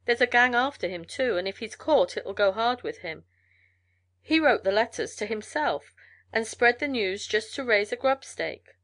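A woman's voice: a little high, lively intonation, moderate pace, a bit bright. A woman voicing a gossipy, amused frontier mail carrier in a storybook, with folksy colloquial talk. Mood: folksy, matter-of-fact. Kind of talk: storybook character voice in narration.

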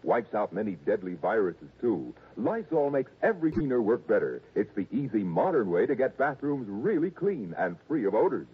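A man working as an announcer and pitchman in old-time radio style. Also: big pitch swings, normal speed, hardly any pauses, husky. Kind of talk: 1950s-60s radio announcing. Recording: tinny old radio recording.

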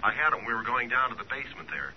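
An actor playing an easygoing newspaper reporter in a 1940s radio crime drama, chatting briskly over a telephone. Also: male voice, mid-range voice, sing-song. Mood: matter-of-fact. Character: fast-talking, easygoing male newspaper reporter. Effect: telephone filter. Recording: muffled noisy old radio, telephone line.

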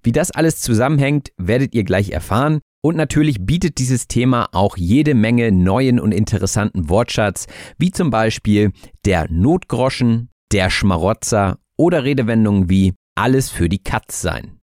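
Low-voiced, measured male podcast host. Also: animated, darkish tone, no room sound, studio quality. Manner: measured, clear, teacherly delivery. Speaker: podcast host and German teacher. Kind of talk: scripted intro, then interviewing.

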